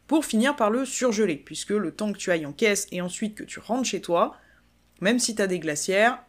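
A woman's voice: medium pitch, expressive, normal speed. A woman hosting a solo podcast, explaining work methods in a chatty, informal way and talking straight to the listener. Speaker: podcast host, business coach.

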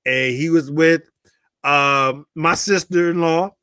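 Animated high-voiced man joking on a podcast. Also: slow pace, smooth, no room sound, studio quality. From northern US. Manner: animated, joking, loud bursts and laughs. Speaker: co-host. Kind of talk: casual podcast chat.

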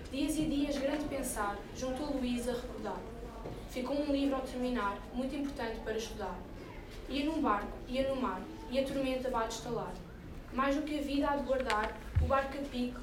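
A woman reciting a rhyming poem aloud in a measured, rhythmic way at a reading. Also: on the high side. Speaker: reader at a reading event. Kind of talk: poetry recitation. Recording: echoey room, distant mic, noisy.

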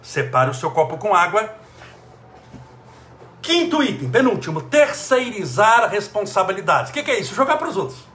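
A man's voice: sits high, sing-song, moderate pace, fairly bright tone, reverberant, a little hiss or hum. A man giving a spiritual talk, asking his listeners rhetorical questions and acting out the voices of people he quotes. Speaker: spiritual speaker.

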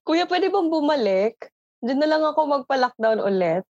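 Woman from bohol, podcast guest, giggly, animated, fairly high voice, dull lo-fi sound. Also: normal speed. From Bohol, Philippines. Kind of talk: casual chat.

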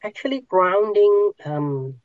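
Slow, unhurried woman. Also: mid-range voice, lively intonation, dry recording, phone-quality sound. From Hong Kong. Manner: slow, searching, with many pauses and restarts. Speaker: podcast host and spiritual teacher. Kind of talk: explaining to a small group.

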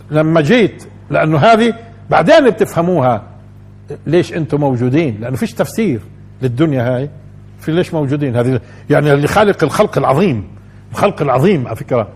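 شيخ بلهجة شامية، صوت مبحوح فيه حدة خفيفة، أسلوب تعليمي تكراري يخاطب المستمعين. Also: male voice, high-pitched, slightly rough. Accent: Levantine Arabic. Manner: explains by repeating phrases and asking the audience questions. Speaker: religious teacher. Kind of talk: Quran commentary lesson.

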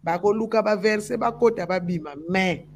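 A Congolese woman from the Democratic Republic of the Congo speaks in a mid-range, slightly mellow voice at a moderate pace, with a Congolese French accent. She's a gospel musician in an impassioned talk-show discussion, speaking with passion and repeating phrases for emphasis.

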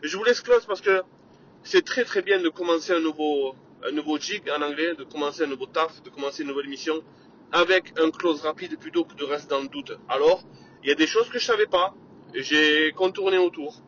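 Upbeat chatty man, slightly high voice. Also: a little fast, dull audio, a little hiss or hum. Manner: energetic, chatty, many fillers, sprinkles English sales jargon. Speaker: podcast host. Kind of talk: casual solo podcast monologue.

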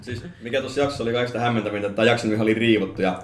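A man co-hosting a podcast, explaining calmly to listeners in casual chat. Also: fairly low pitch. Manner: explaining, even-handed. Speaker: podcast co-host. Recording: roomy echo.

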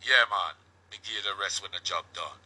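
A man voicing a menacing Jamaican prison dealer, speaking in a low, laid-back patois. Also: normal speed, pushed and bright, exaggerated voice. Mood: scheming.

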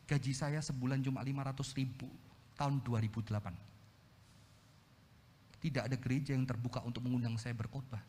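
A man in his forties preaching a sermon as a pastor, animated, moving between loud exclamations and quiet storytelling, into his speech. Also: medium pitch, fairly quick, pauses often, a little hiss or hum. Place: church hall. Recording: long hall reverb.

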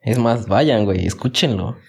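A young man with a Mexican accent and a slightly low voice, talking on a casual podcast. He is slangy and excitable, his sentences packed with fillers. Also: moderate pace, creaky, husky. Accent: Mexican Spanish. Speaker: podcast co-host.

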